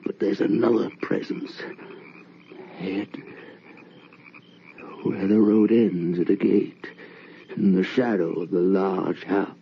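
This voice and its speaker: Haunted, halting husband, old noisy radio. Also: male voice, deep voice, steady tone, gravelly, highs cut off, heavily acted. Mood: hushed dread. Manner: halting, repeating words, tormented. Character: haunted, guilt-ridden husband confessing his wife's murder. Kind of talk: old-time radio horror drama acting, dramatic monologue.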